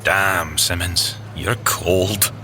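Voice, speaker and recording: A man playing a wry, excitable young tech agent with a Scottish accent, bantering colloquially in an audio drama. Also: low voice, extremely slow, over loud music, heavily acted. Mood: wry, teasing. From Scotland. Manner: joking, colloquial, expressive.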